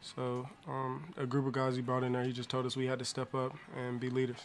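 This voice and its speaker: A young man, a college basketball player, answering postgame press questions softly and with many hesitant pauses, at a table mic in a press room. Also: mid-range voice, monotone, a little hiss or hum. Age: young adult. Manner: soft-spoken, many hesitant ums. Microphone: table mic on stand.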